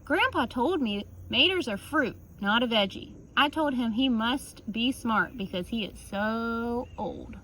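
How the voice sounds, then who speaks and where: A woman with a slightly high voice reads a children's story aloud in the manner of a teacher. She stretches key words for emphasis and drops in casual asides. There is some faint noise behind her. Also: expressive, measured pace, hardly any pauses, bright, forceful tone, rough recording. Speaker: teacher reading a picture book aloud.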